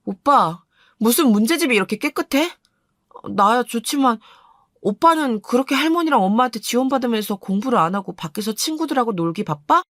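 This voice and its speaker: A woman's voice: fairly high pitch, expressive, a little fast, a bit bright, dry recording, studio quality. A woman voicing a resentful teenage girl who complains in a pleading, aggrieved way in a radio story drama.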